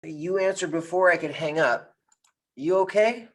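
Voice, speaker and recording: A woman playing a gentle, concerned teenage boy, hesitant and caring, in a table read. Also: lowish voice, normal speed, natural voice. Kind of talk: amateur screenplay table read.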